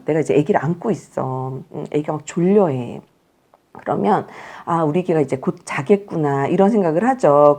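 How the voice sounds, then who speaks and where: A woman's voice: mid-range voice, darkish tone. A middle-aged woman counseling new mothers in a chatty, teasing, scolding way. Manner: chatty, scolding-teasing, acts out moms' thoughts. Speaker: breastfeeding counselor. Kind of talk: advice talk to mothers.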